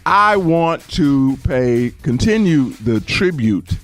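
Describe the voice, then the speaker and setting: A man co-hosting a sports talk show, speaking in a relaxed, conversational way. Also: on the high side, takes it slowly, soft background music. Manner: relaxed, conversational, wraps up segments.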